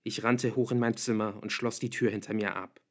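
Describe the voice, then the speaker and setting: A man narrating an audiobook in an even, measured reading. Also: on the low side. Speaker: audiobook reader.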